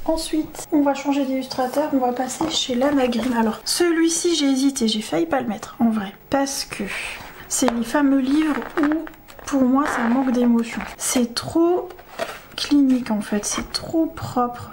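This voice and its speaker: A woman's voice: high-pitched, darkish tone, a little hiss or hum. A woman vlogger chatting casually and gushing about illustrations she likes, giggling now and then. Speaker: coloring-book vlogger. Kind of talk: casual chat.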